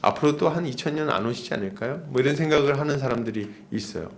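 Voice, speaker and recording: A man's voice: mid-range voice, fast talker, a little hiss or hum. A man of about forty preaching an expository sermon as a pastor, using emphatic repetition and rhetorical questions.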